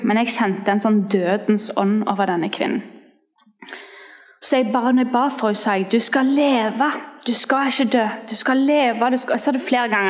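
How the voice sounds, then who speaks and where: A woman's voice: on the high side, long reverb tail. A woman telling personal testimonies as a Christian street evangelist, animatedly acting out the quotes in her stories.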